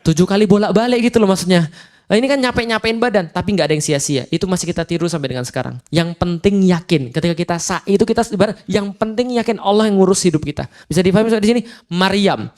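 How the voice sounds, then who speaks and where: Male preacher, high voice, lively storyteller who acts out scenes for a casual lecture crowd. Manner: animated storytelling, acts out dialogue with jokes; quotes Quran verses slowly.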